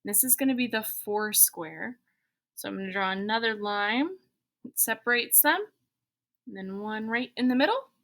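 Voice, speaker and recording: A woman's voice: fairly high pitch, expressive, normal speed, a bit bright. A woman, a schoolteacher, leading children through a step-by-step drawing lesson with simple, encouraging instructions, thinking aloud as she goes. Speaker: elementary school teacher.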